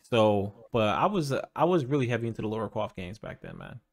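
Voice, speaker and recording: A man's voice: on the low side, very animated, fairly quick, gravelly. Easygoing, laughing podcast host man. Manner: easygoing, agreeable, laughs often. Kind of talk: casual podcast chat.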